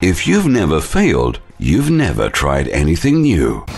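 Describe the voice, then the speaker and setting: Music plays in the background. A man talks over it at a fairly slow pace. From UK. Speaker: voice actor. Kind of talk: commercial read. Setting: studio. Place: studio.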